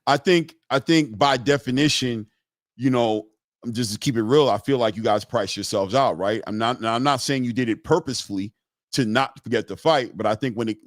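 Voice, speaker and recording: A man in his forties hosting a podcast, answering in a measured, hedging way as he thinks aloud. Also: mid-range voice, dry recording, studio quality. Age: 40s. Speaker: podcast host. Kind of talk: casual podcast chat.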